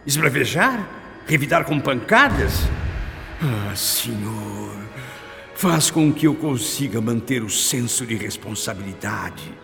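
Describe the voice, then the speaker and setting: An actor playing a tormented, repentant middle-aged father in a Brazilian radio drama, speaking solemnly and earnestly with deliberate phrasing. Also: medium pitch, sing-song, gravelly, bright, forceful tone, soft background music, full character voice. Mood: anguished, pleading. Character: tormented, repentant father seeking faith and self-control.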